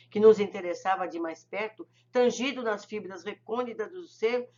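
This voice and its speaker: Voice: medium pitch, fairly bright tone, lo-fi sound. Reverent, careful audiobook narrator. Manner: slow, careful, reverent reading. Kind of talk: scripted narration of a spiritist novel.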